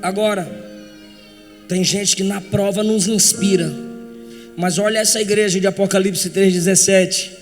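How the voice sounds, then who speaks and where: A Brazilian man in his eighties with a Brazilian Portuguese accent, preaching a fervent sermon, often shouting and stretching out emphatic phrases. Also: high-pitched, steady tone, measured pace, long pauses, in a large hall, faint music behind. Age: 80s. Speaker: pastor. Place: large church.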